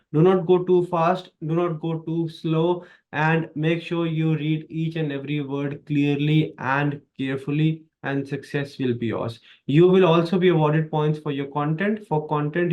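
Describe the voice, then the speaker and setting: A man's voice: fairly high pitch, highs cut off. A man in his thirties with an Indian accent, teaching exam speaking skills in an emphatic, repetitive coaching style. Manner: emphatic, repetitive coaching with lively hand gestures. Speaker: exam prep tutor. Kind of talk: instructional video lesson. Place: small dark studio, indoors.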